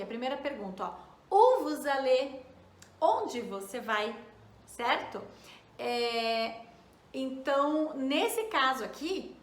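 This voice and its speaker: A woman teaching French in a casual online lesson, patiently repeating words slowly for the learner. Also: sits high, a bit bright. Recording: echoey room.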